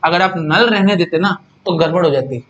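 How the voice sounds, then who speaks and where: High-voiced man teaching casually. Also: normal speed, a bit bright, highs cut off. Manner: chatty, repeats himself, keeps asking students if they follow. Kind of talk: casual classroom lecture.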